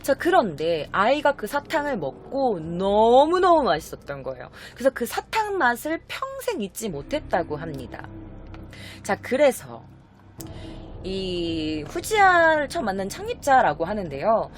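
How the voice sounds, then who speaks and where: Brief: woman storyteller, casual spooky tale, very lively pitch, faint background hiss. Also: measured pace. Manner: chatty, animated, acts out short quoted voices. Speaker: YouTube storyteller.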